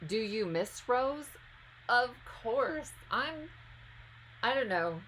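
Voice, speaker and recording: A woman's voice: on the high side, lively intonation, takes it slowly, fairly bright tone, slight background noise, rough recording. A woman hosting a live stream, reading out viewer questions and answering them in a chatty, casual way.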